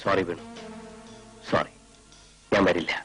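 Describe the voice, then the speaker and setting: An actor playing a humiliated husband who speaks gravely and bitterly in a film drama. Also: male voice, deep voice, steady tone, slow, a bit bright, soft background music. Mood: brooding. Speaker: troubled husband.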